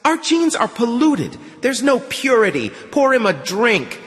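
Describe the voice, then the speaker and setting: A man's voice: very high-pitched, wildly swooping pitch, a little slow, fairly bright tone, long reverb tail, pitched above the performer's own voice, exaggerated voice. A man doing a boozy, chummy fascist. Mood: jovial. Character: drunk male fascist, boastful and chummy.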